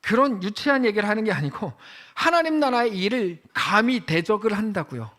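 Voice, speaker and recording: High, bright-voiced preaching pastor. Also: male voice, big pitch swings, brisk. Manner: impassioned preaching, swinging between loud high outbursts and low quiet stretches; reads scripture aloud and voices God's words directly to the listener. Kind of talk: sermon.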